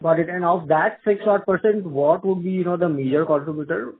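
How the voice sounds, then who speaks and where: A man's voice: high voice, brisk, breathy edge. A man speaking as a financial analyst, asking wordy questions over the phone on an earnings call. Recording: thin, narrow phone line.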